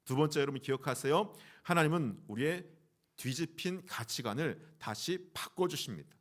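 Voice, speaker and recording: Lively, animated male pastor preaching. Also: on the high side, normal speed. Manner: lively preaching, acting out voices of Jonah and God. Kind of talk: sermon.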